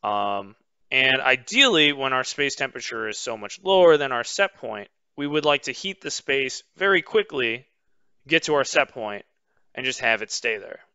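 A man teaching a webinar lesson over slides, explaining in a measured way with frequent "um" fillers. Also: medium pitch, lively intonation, sharp tone, clear, resonant tone, dry recording, dull audio. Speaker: instructor.

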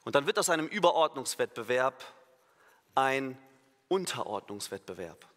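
A pastor giving a sermon, emphatic and lively, acting out imagined inner voices and now and then correcting himself mid-sentence. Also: male voice, medium pitch, normal speed. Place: church hall. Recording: long reverb of a church hall.

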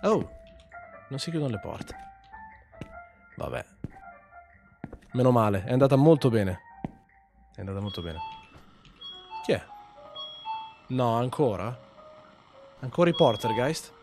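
A man's voice: mid-range voice, sing-song, unhurried, pauses often, music in the background. Joking man playing a horror game. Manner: joking, swears, yells when startled. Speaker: gaming host. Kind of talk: horror let's play commentary.

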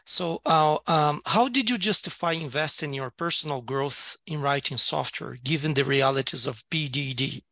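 A man's voice: a little high, moderate pace, vocal fry, few pauses, bright, forceful tone, no echo. A man moderating a webinar, reading out audience questions with many hesitant uhs.

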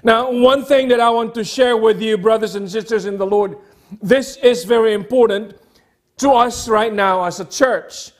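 A middle-aged man preaching a sermon as a pastor, speaking deliberately in short, emphatic phrases with repetition. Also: high voice. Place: church sanctuary, at a pulpit.

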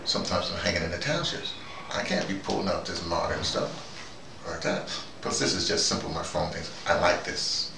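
A middle-aged man in a casual, rambling show-and-tell, talking to camera in a folksy, colloquial way and often pausing mid-thought. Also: deep voice, creaky. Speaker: vlogger. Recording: echoey, distant mic, loud background noise.

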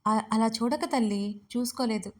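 A woman's voice: on the high side, flat delivery, a little fast, lightly acted. A woman narrator voicing a cheeky young man who likes to tease, in an audio story. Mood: teasing. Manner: playful.

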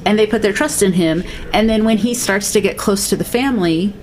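A woman's voice: mid-range voice, brisk, slight background noise. A middle-aged woman counselor being interviewed on a podcast, speaking earnestly and acting out quoted speech. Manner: earnest, acts out quoted speech in lively voices. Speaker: guest counselor.

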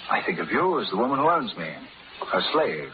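An actor playing a bold, sardonic Irish rebel doctor in 1930s radio drama style. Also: male voice, on the low side, sing-song, normal speed. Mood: brooding, guarded. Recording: crackly 1930s live radio, tinny, audience noise. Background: loud audience and crackle.

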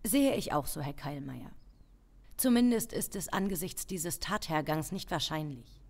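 A woman as a low-voiced, composed police chief. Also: animated, a little mellow. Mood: calm, formal. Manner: formal, measured, commanding. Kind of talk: German audio drama acting.

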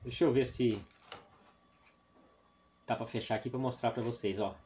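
Walking through an overgrown lot around a roofless, abandoned house, a man from Paraná, Brazil films a chatty vlog on a handheld camera that picks up lots of outdoor noise. He speaks at a normal speed in a steady, medium-pitched, darkish voice, addressing viewers directly and frequently using tag questions.

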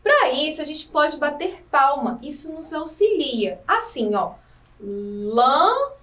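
A woman teacher giving a recorded lesson to young children. She talks slowly and clearly and keeps asking the pupils questions. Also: high-pitched, big pitch swings, a bit bright, far from the mic. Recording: echoey room, voice from off the mic.

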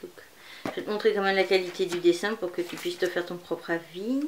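A woman's voice: fairly low pitch, fairly even intonation, a little fast, slight background noise. A woman presenting manga in a casual unboxing vlog, chatty and rambling, with many fillers. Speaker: manga YouTuber.

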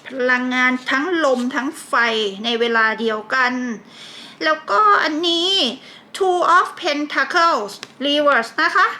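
Bright high-pitched woman reading tarot. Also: animated, takes it slowly, slight background noise. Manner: chatty, laughs often, drags out card names. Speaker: tarot reader. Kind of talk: casual tarot reading to camera.

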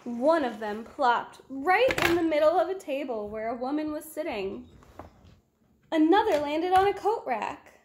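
Female, 20s, children's storyteller. High pitch, slow and expressive delivery, recorded in a roomy home space. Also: slight background noise. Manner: simple, expressive, addressing young children. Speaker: read-aloud storyteller. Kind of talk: children's picture book read-aloud. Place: small room at home, indoors.

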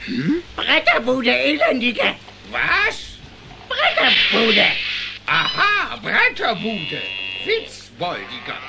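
An actress playing a bored, sulky animal in an animated film radio play, drawling. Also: female voice, a little high, takes it slowly, creaky, full character voice. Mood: bored, mocking. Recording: very noisy, cluttered soundtrack.

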